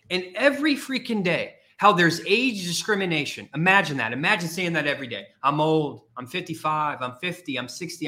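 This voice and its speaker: Emphatic, bright-voiced male career coach. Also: a little high. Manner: emphatic, repetitive, blunt. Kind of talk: motivational talk to camera.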